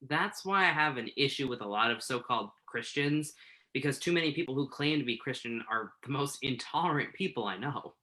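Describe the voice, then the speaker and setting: Man playing a hesitant, bright-voiced journalist. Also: mid-range voice, lively intonation. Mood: probing, frank. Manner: hesitant, halting. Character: Tuck, conflicted entertainment journalist man hiding his identity. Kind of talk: virtual staged play reading, naturalistic dialogue.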